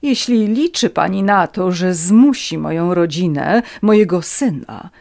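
A woman's voice: fairly low pitch, animated, a little slow, vocal fry, a little mellow. A woman voicing a haughty aristocratic countess who speaks with cold contempt. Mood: contemptuous.

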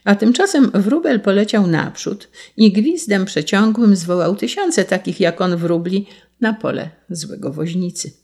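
A woman narrating a fairy tale in a slow, measured storybook reading. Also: medium pitch, lively intonation, darkish tone.

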